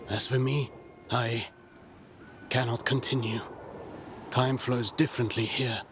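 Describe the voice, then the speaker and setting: An actor playing a loyal, troubled but dutiful warrior in a video game, with a grave, deliberate delivery. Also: male voice, mid-range voice, background noise. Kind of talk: video game cutscene acting.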